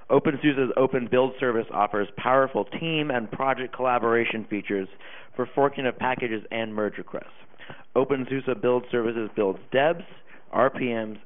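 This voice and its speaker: A man hosting a conference room, reading out a sponsor announcement in a plain, read-out way. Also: medium pitch. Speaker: room host. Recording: tinny phone-like conference recording.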